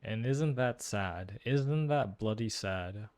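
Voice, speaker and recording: A man's voice: on the low side, slow, a little mellow. A man giving casual, musing playthrough commentary and analysis, repeating phrases for emphasis. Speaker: gaming streamer reacting to a story quest.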